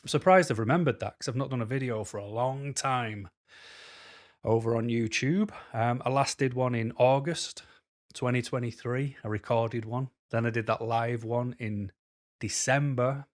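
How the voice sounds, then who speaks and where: A man, a little hoarse, talking frankly to camera in a rambling way with many pauses and ums. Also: medium pitch. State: slightly hoarse. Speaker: vlogger. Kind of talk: casual talk to camera. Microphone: camera mic.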